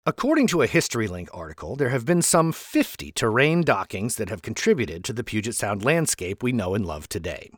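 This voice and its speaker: A man's voice: medium pitch, fairly bright tone, no echo, studio quality. A man hosting a podcast, reading a history narration with chatty asides. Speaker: podcast host and author.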